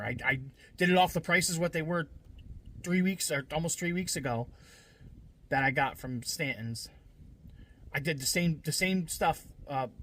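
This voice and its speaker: A little high and fairly bright, this man's voice belongs to a scrap-metal vlogger. His vlog talk is casual and rambling, blunt and full of venting, with free swearing and lots of restarted sentences.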